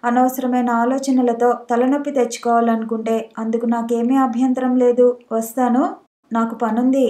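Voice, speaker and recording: A woman's voice: a little high, level tone, moderate pace, warm tone, lightly acted. A woman reading the lines of a cold young man, in a curt, dismissive manner. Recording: echoey room.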